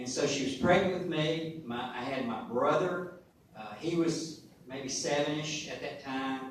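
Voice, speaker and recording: In a Southern US accent, a man talks at a fairly slow pace with a fairly high pitch and ordinary pitch variation. Noticeable background noise and audible room echo are present. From US South, Alabama. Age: 60s. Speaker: Bible study teacher. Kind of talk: Bible study talk. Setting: church hall with group. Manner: halting.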